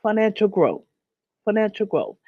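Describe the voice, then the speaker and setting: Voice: mid-range voice, sing-song, normal speed, no echo. A livestream host teaches business finance in an easygoing, conversational way and stops to greet viewers in the chat by name. The voice is a little nasal from a lingering cold. The sound is dry and a bit dull and lo-fi. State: getting over a cold, slightly nasal. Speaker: host of a live online business series. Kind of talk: live-streamed business lesson.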